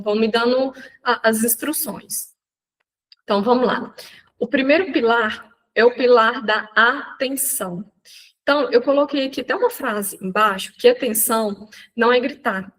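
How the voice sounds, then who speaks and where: A Brazilian Portuguese-speaking woman mentoring an audience in a live online talk, chatty and animated, often restarting her sentences. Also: a little high, moderate pace, low-quality recording.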